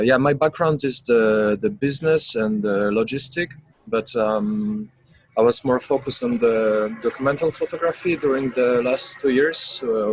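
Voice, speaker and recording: A man from Poland introduces himself on a video call. He has a mid-pitched, dry-sounding voice and speaks haltingly while searching for his words. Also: husky, no echo, poor audio. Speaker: participant. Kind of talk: casual self-introduction.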